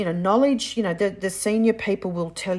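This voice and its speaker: The recording is very clean and the background silent. A woman talks with an Australian accent. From New South Wales South Coast, Australia. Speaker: university chancellor and medical doctor. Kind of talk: interview.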